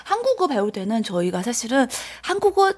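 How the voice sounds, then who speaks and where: A woman's voice: fairly high pitch, sing-song, brisk. A woman who is a native Chinese speaker, explaining language conversationally as a teacher on a radio show.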